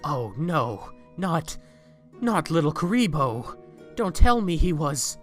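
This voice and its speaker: A man's voice: a little high, very animated, slow, faint music behind. A man playing a proud rich man who turns frightened and repentant in a dramatic audio drama, speaking theatrically. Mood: shocked. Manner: theatrical, pleading.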